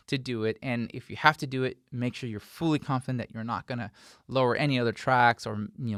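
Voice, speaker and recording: A man's voice: medium pitch, smooth, dry recording, studio quality. A man in his forties giving an informal tutorial to camera, stressing points by repetition and acting out example remarks. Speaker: instructor, video host. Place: small home studio, indoors. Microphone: desk microphone close in front.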